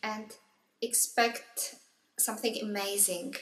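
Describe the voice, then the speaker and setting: A woman in a Polish accent. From Poland. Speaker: musician and parent vlogger. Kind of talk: video monologue. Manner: halting.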